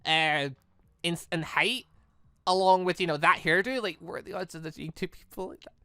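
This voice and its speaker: A man hosting a let's play, rambling excitably and thinking aloud in casual commentary. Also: fairly high pitch, normal speed, no echo, studio quality. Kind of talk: casual game commentary with read-out dialogue. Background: faint music.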